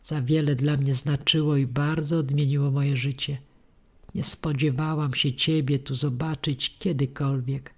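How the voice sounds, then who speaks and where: A woman's voice: a bass voice, steady tone, unhurried, a little mellow, husky, heavily acted. A woman reading the part of a reserved, wounded middle-aged woman who speaks in a restrained, firm way, in an audiobook.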